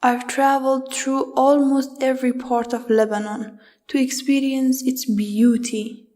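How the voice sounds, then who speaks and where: Young woman from Afghanistan, measured and reflective. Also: high voice, level tone, mellow. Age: young adult. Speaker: student. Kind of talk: reflective personal narration.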